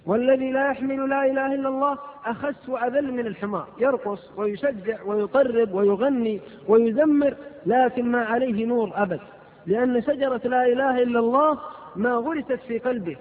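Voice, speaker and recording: A man giving an impassioned sermon, rising into loud declamation. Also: extremely high pitch, fairly quick. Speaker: preacher. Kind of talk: fiery sermon. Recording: tinny lo-fi tape in a reverberant hall.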